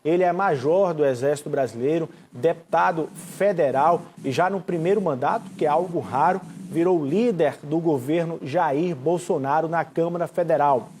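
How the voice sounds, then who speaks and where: A man's voice: a little high, moderate pace, hardly any pauses, a little mellow, slight background noise. A man presenting a live political interview show as its host.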